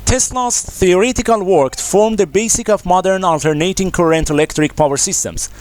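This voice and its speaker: A man's voice: high-pitched, normal speed, dry recording. A man reading short practice passages aloud for an English speaking test. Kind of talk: scripted read-aloud of exam practice passages.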